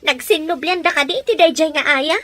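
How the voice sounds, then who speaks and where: An actress playing a young, concerned younger sibling in a radio drama, with a Filipino Ilocano accent. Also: female voice, high-pitched, fairly quick, pushed and bright, dry recording.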